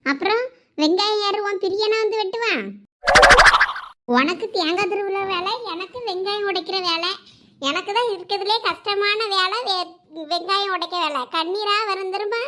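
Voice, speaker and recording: A woman voicing a sharp-tongued young village woman in a cartoon, bickering with a Thoothukudi Tamil accent. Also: very high-pitched, steady tone, moderate pace. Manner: bickering, teasing.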